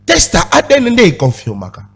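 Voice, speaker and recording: Guy on a tv debate panel, high voice swinging all over, keeps insisting on his point. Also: wildly swooping pitch, moderate pace, creaky, a bit bright, soft background music. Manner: insistent, repeats pleas for the floor, mixes French and Lingala. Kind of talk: heated studio debate. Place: TV studio.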